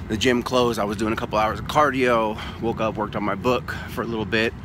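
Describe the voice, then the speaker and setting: Noticeable background noise sits behind a man talking at a very fast pace, with a dry sound and no echo. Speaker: dating coach vlogger. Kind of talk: casual vlog chat. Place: street. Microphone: phone near.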